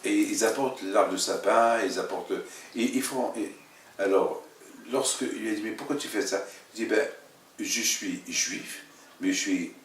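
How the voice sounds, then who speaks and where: Halting, emphatic man teaching in an echoey room. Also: on the low side, slight background noise. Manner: repeats phrases, halting, emphatic. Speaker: religious teacher, rabbi leading a class. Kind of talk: informal religious lesson with questions. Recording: echoey room, mic at a distance.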